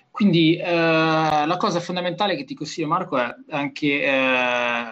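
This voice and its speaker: Ordinary pitch variation in the fairly high voice of a man. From Genoa, Liguria, Italy. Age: 20s. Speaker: digital marketing consultant. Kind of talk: live Q&A panel chat about ad campaigns.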